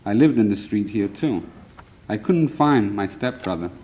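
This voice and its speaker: A man's voice: fairly low pitch, animated, dark tone, slight background noise, rough recording. Earnest Puerto Rican man reading poetry. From Puerto Rico. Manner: earnest, plain, measured delivery with short line breaks; a little nervous. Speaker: poet reading his work. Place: conference hall.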